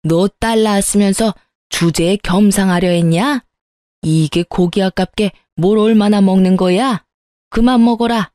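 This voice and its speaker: Woman doing a petty old mother-in-law, sneering and scolding, soft mellow tone. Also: mid-range voice, unhurried, dry recording, studio quality, natural voice. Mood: scornful. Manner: sharp, scornful scolding.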